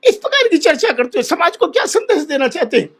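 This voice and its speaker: A man's voice: very high-pitched, big pitch swings, fast talker, fairly bright tone. A man, a Hindu holy man appearing as a guest in a heated television debate, who speaks in an impassioned, pleading way and keeps repeating himself.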